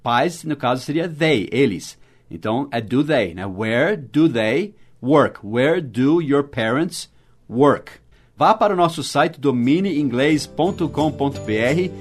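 Man, brazilian portuguese accent, podcast teacher, slow drilled example phrases, mid pitch. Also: lively intonation, husky, faint music behind. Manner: slow, exaggerated model phrases in English between quick explanations. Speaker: English teacher. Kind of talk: podcast lesson for learners.

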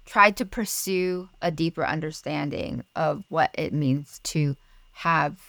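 Soft-spoken Malaysian-born woman, low and smooth. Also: slow, dry recording. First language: Mandarin. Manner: earnest and reflective, with light laughs. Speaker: podcast guest, Bible study writer. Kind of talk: casual interview conversation.

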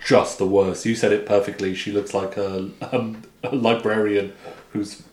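A man's voice: fairly low pitch, level tone, normal speed. A young man co-hosting a podcast, chatting about politics in a blunt, heated way and swearing freely. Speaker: podcast co-host. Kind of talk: casual political chat. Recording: echoey room with faint noise.

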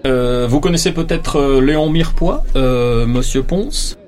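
A man voicing a formal, self-satisfied male notary in a tabletop role-play, speaking slowly and with measured care. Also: mid-range voice, a little mellow, lightly acted.

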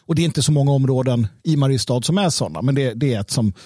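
A man hosting a casual discussion, with a husky, breathy edge to his voice. He speaks haltingly, restarting and repeating words as he works through an anecdote. The sound is dry and close. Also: medium pitch, dark tone, no echo. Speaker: host.

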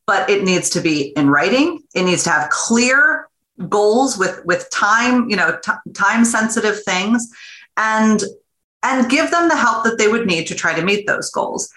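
A woman executive giving measured, earnest business advice as a podcast guest. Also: medium pitch, lively intonation, bright, forceful tone, echoey room. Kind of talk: interview answers.

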